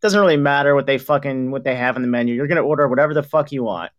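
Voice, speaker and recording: A man's voice: mid-range voice, rapid-fire, highs cut off. A man co-hosting a casual talk show, making dry, crude jokes. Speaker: co-host. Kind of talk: casual chat.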